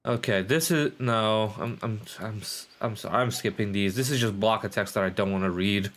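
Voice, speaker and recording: A man's voice: on the low side, normal speed, fairly bright tone. A man doing casual live game commentary, rambling and sweary, sometimes reading on-screen text aloud. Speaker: game streamer.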